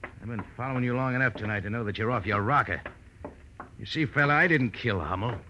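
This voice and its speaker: A man's voice: mid-range voice, fast, dull audio, lightly acted. An actor playing a rugged, insistent gunman on the run, blunt and urgent, in a 1940s radio crime drama. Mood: commanding. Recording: noisy, crackly vintage radio recording.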